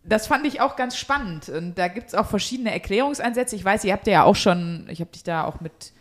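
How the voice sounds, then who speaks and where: A woman's voice: medium pitch, expressive, fairly quick. A woman hosting a podcast, talking in a casual, colloquial and playful way. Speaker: podcast host. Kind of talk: casual chat.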